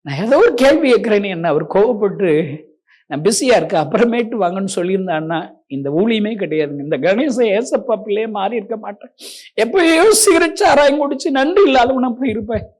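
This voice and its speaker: A middle-aged male preacher giving an emotional testimony sermon. He swings between loud pleading and hushed, near-tearful talk, and addresses his listeners respectfully and directly. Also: very high voice, animated, normal speed.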